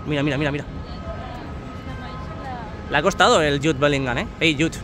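A Spanish man with a fairly high voice walks a city street, filming himself on his phone and joking around at a normal pace. His casual commentary is chatty, and he speaks broken English with foreigners. Traffic noise fills the background.

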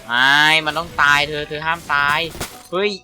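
A young man chatting casually and joking excitedly while playing a game with a friend, swearing freely. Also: a little high, moderate pace. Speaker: gaming YouTuber. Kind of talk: casual gameplay chat with a friend. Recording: faint game music behind.

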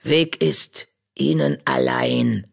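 A narrator voicing Mitternacht, a wise old female badger in an audiobook, who talks slowly with broken word order. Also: mid-range voice, animated, gravelly, voice pushed down, heavily acted. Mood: solemn.

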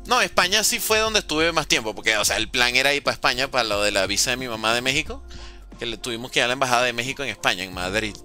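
A man's voice: medium pitch, expressive, quick pace, bright, forceful tone. A young man, chatting casually and joking as he reads out viewer questions during a live game stream. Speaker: gaming streamer. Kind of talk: casual live-stream chat while playing. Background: faint background music.

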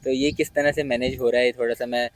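A man's voice: medium pitch, little pitch movement, fast talker, dry recording. Dry-voiced young man touring a cattle farm. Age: young adult. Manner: enthusiastic, repeats blessings. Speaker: vlogger host. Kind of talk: casual farm tour and interview. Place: outdoor cattle farm yard.

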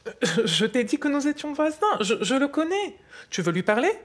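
A woman's voice: sits high, very animated, moderate pace. A woman in her sixties playing a grandmother who patiently explains wartime history to her granddaughter in scripted French dialogue. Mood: excited. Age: 60s. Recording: faint music behind.

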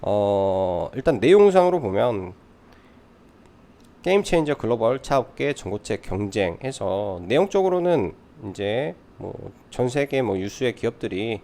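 A man's voice: medium pitch, a little mellow. A man giving live stock market commentary as a trading adviser, explaining things by posing questions and answering them.

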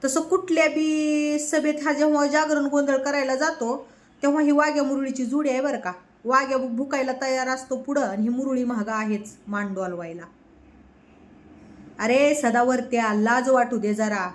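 A woman's voice: high-pitched, steady tone, moderate pace. A woman delivering a heated, mocking political rant, scolding her target. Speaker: political commentator.

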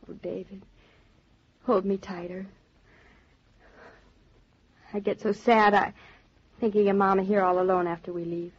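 Claudia, an affectionate young wife. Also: female voice, medium pitch, little pitch movement, a little slow, pauses often, husky. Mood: wistful. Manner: girlish, clingy, teasing. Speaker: actor in radio drama. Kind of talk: 1940s radio acting. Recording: dry, dull 1940s radio transcription.

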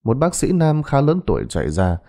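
A man narrating a village tale for a ghost-story channel in an expressive storytelling manner. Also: mid-range voice, a little fast, vocal fry.

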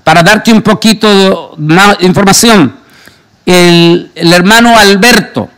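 A man's voice: sits high, takes it slowly, a bit bright. A man who hosts a religious program as a pastor, introducing and questioning a guest emphatically. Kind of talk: religious broadcast interview.

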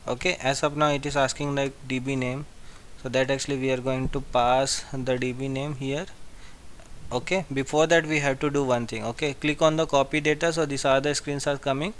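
A man giving a step-by-step software tutorial as an instructor, repeating his phrases as he goes. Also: medium pitch, fairly even intonation, fairly quick, a little hiss or hum. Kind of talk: screen-share software tutorial.

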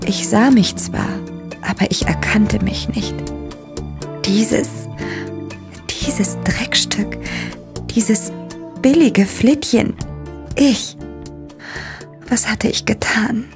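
A woman's voice: mid-range voice, very slow, long pauses. Woman narrating as a shaken young woman. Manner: dramatic, breathy, dropping to whispers. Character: young woman recounting a shocking discovery. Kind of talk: first-person audio drama narration. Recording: narration over music. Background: music.

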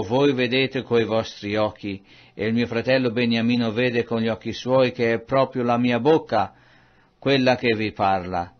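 A man reading scripture aloud in a measured, solemn way. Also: medium pitch, highs cut off. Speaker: Bible reader.

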